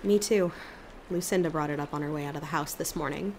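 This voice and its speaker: A woman's voice: sits low, fast talker, darkish tone, slight background noise. An actress playing a worried, wryly teasing young woman in a naturalistic audio drama. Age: young adult.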